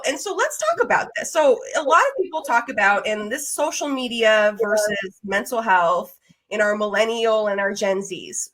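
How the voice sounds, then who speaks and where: An American woman in her thirties talking conversationally on a podcast, with an emphatic, expressive manner. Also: on the high side.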